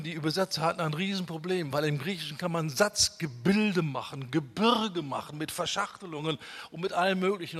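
A man preaching a sermon emphatically, asking rhetorical questions and swinging between loud and quiet. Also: a little high, slightly rough. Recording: long hall reverb.

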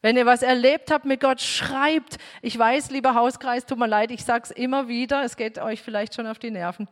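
Woman, bible teaching talk, earnest, direct address, fairly high voice, reverberant room. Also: fairly even intonation, moderate pace. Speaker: house group teacher. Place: room with a home group.

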